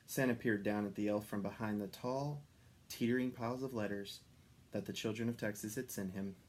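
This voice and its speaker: A man reading a children's story aloud as an expressive narrator. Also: fairly low pitch, a little fast. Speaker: storybook reader.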